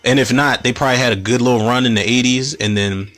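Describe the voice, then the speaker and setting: Man, slightly hoarse, loose profane chatter, film commentary host, middling pitch. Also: steady tone, fast talker, a bit bright. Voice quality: rambling, profane, self-interrupting. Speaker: movie commentary podcast host.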